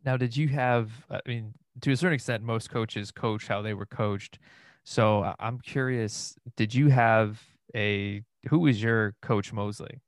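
A man's voice: lowish voice, steady tone, a little slow, no echo, clean studio sound. A man hosting a coaching podcast, asking questions with curiosity and thinking aloud. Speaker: podcast host. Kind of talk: interviewer questions.

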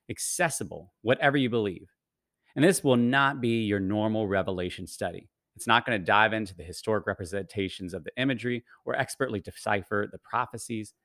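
Man, lowish voice, podcast host, friendly persuasive promo read, dry close sound. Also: no echo. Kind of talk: promotional announcement.

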